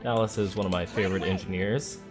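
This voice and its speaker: Low-voiced man, relaxed game commentary. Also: fast. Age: adult, parent of a school-age child. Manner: relaxed, chatty, thinking aloud. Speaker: let's play host. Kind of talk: casual gameplay commentary. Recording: game music behind the voice. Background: video game music.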